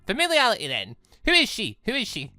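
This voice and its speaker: A man reads as a sassy young woman from a visual novel, brash and impatient. The voice is bright and swings about in pitch, full of teasing banter. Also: huge pitch swings, fairly quick, no echo, faint music behind, full character voice. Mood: curious, impatient. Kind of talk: reading visual novel dialogue aloud.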